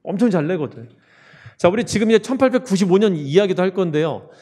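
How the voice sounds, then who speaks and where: A man's voice: high-pitched, animated, fast talker, mellow, breathy edge. A man teaching Korean history in a casual exam-prep lecture, keeps asking the class questions and answering them himself. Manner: casual, chatty with jokes to aid memory.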